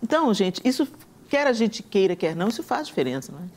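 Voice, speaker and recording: Mulher brasileira, convidada de programa, tom de pregação, conta histórias com animação. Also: female voice, mid-range voice, fast talker. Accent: Brazilian Portuguese. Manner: earnest, quotes scripture, animated storytelling. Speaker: talk show guest. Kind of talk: conversational preaching.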